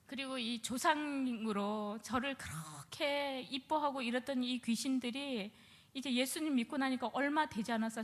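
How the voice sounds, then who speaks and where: High-voiced woman in a reverberant hall. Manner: animated storytelling, acting out her own past words. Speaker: former shaman giving a Christian testimony. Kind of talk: personal testimony talk.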